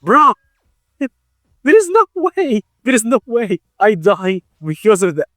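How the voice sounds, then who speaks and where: A young man who stutters often, narrating and reacting loudly to a game he is playing, casual and swearing. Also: high voice, big pitch swings, slow, noisy background. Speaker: gaming YouTuber. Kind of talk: game commentary with voice-over narration.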